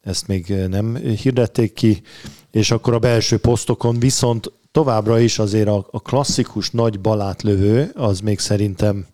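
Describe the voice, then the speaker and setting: A man chatting about handball signings in a relaxed way, pausing often with fillers and restarting his sentences. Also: lowish voice, no room sound, clean studio sound. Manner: hesitant, many fillers and restarts. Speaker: handball pundit. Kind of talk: casual sports chat.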